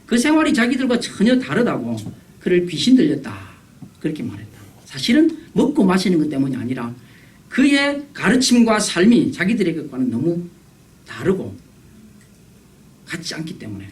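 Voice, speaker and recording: A male guest pastor preaches a revival sermon, his fairly high voice swinging up and down. He acts out the voices he quotes. He is picked up by a mic some distance away in a church sanctuary. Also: sing-song, normal speed, pauses often.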